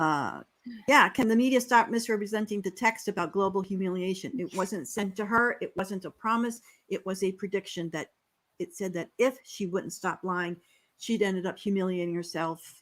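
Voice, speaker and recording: A woman talks at a fairly quick pace at a medium pitch with ordinary pitch variation and big swings in loudness. The recording is very clean, with a silent background. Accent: American. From New York. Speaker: online commentator, self-styled internet journalist. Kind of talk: livestream commentary with co-host. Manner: fast.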